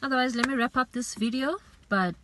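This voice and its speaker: A woman's voice: high-pitched, a little fast, a bit bright, a little hiss or hum. A woman giving an earnest, faith-based motivational talk as a vlogger, urging and repeating herself, with plenty of "you know".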